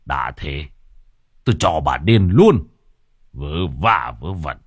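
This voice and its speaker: A man voicing a hot-tempered middle-aged husband in a ghost story, shouting and stammering with rage. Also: a bass voice, lively intonation, slow, slightly rough, pitched below the performer's own voice, full character voice. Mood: furious.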